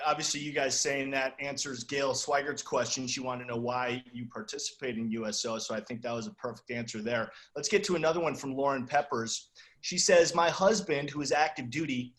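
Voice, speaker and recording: Male host reading viewer questions, brisk and polite, mid voice, video call. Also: mid-range voice, a bit bright.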